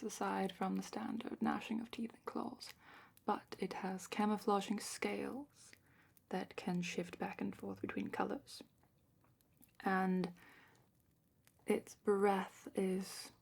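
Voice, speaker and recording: In a fantasy ASMR roleplay, a woman plays a gentle, knowledgeable dragon keeper who explains things carefully. She speaks at medium pitch in an exaggerated, hushed, breathy voice, unhurried and often slipping into a whisper.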